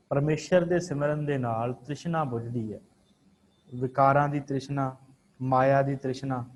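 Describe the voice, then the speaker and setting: A man leads an online scripture class at a middle pitch, chanting each verse slowly before breaking it down in plain explanation. He drills pronunciation by repeating words several times. A faint hiss sits under the recording. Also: a little mellow, low-quality recording. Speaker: Sikh scripture teacher.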